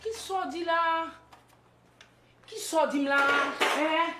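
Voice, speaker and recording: A woman's voice: extremely high pitch, extremely slow, very noisy, full character voice. An actress playing an upset, emphatic middle-aged mother in a film. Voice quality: emphatic, voice rising to shouts. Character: agitated middle-aged mother, loud and fretful. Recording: echoey room.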